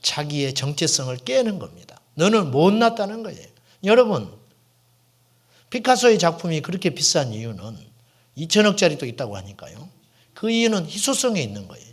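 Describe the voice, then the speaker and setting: Lively, fairly high-voiced male pastor preaching. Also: normal speed, slightly rough. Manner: asks the congregation questions and answers them himself; drops to a hushed, whispered tone for emphasis. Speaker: senior pastor. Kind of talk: sermon.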